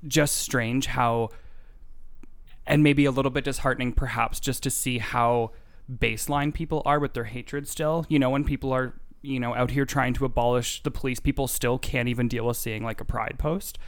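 A man's voice: medium pitch, steady tone, moderate pace. A man co-hosting a casual podcast, talking in a rambling, filler-heavy, joking way. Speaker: podcast co-host.

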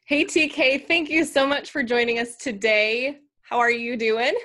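A woman's voice: a little high, fairly even intonation, measured pace, sharp tone. A woman hosting a business podcast, upbeat and chatty, with a lot of "like" fillers. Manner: upbeat, uses many fillers like "like". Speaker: podcast host. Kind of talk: scripted intro then casual interview.

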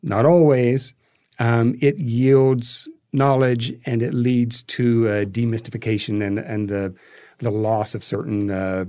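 A man being interviewed as a guest, telling anecdotes conversationally and haltingly as he thinks aloud. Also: medium pitch, fairly even intonation, dark tone, smooth, dry recording.

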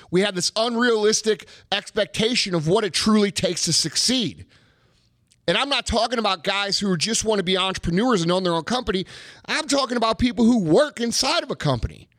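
Sitting high and a bit bright, with no room sound, a man's voice delivers a foul-mouthed motivational tirade. This speaker is blunt and emphatic, repeating his points again and again to drive them in.

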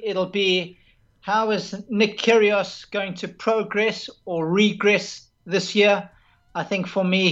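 A man in his forties with a South African accent, a tennis broadcaster and former player, answering interview questions in an earnest, measured way. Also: high-pitched, a bit bright, highs cut off. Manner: earnest, measured, lists points methodically. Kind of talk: relaxed interview conversation.

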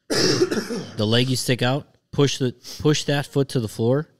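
A man's voice: medium pitch, animated, slow. A man co-hosting a podcast, teasing and joking casually while giving exercise tips. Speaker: podcast co-host.

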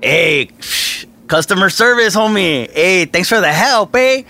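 A man's voice: high voice, animated, a little slow, background noise. A man playing a brash young cholo who talks crude and slangy and laughs at his own jokes. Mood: chummy.

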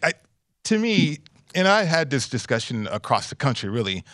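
A man's voice: medium pitch, sing-song, moderate pace, a bit bright, no echo. A man in his fifties hosting a sports podcast, talking in a rambling, wry way. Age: 50s. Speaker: podcast host. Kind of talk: casual podcast chat.

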